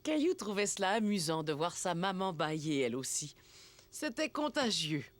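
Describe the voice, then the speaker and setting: A woman performing as the gentle, expressive storyteller of a cartoon for young children. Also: on the low side, moderate pace. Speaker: narrator. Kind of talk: scripted children's story narration. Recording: music behind the voice.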